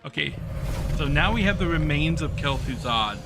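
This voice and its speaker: A man's voice: on the high side, expressive, moderate pace, creaky. A man casually commentating on game cutscenes and explaining the lore as host. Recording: faint game music behind speech.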